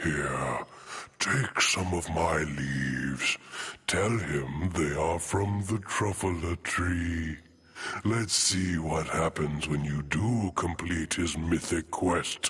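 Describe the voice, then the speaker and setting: In a put-on character voice, a man speaks very slowly with a very deep, low pitch. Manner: wise, warm, knowing.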